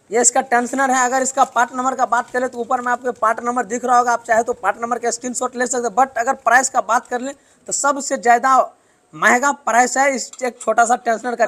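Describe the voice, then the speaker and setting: A man's voice: very high-pitched, fairly bright tone. A man, a motorbike mechanic explaining a repair step by step in a workshop tutorial. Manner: explains step by step, keeps pointing things out.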